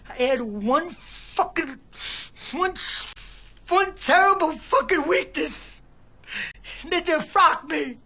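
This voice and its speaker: An actor playing a paranoid, disgraced middle-aged former priest and spy, profane and rambling, in film audio with music. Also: male voice, high-pitched, animated, moderate pace. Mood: broken. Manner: profane, rambling, panicky outbursts. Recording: film audio with loud score.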